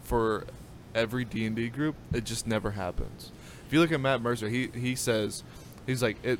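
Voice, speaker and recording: A man at a medium pitch, with ordinary pitch variation and a moderate pace. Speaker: military veteran and tabletop gamer. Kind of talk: casual chat. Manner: loud.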